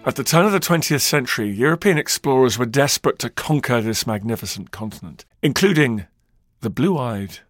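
A man's voice: mid-range voice, lively intonation, a little fast. A man narrating a history podcast as its host, in an emphatic, dramatic storytelling delivery. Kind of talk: scripted documentary narration. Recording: narration over loud music.

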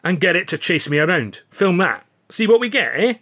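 A man's voice: high-pitched, big pitch swings, brisk, a bit bright, voice pushed up, heavily acted. A man voicing a cocky, bossy little Scottish film comedian in an audiobook. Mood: bossy, planning. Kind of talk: audiobook character voice.

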